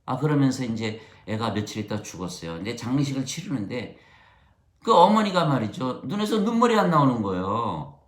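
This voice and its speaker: A man's voice: medium pitch, big pitch swings, fairly quick, roomy sound. A middle-aged man preaching a sermon, telling stories and acting out the voices of the people in them. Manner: storytelling, acting out quoted voices.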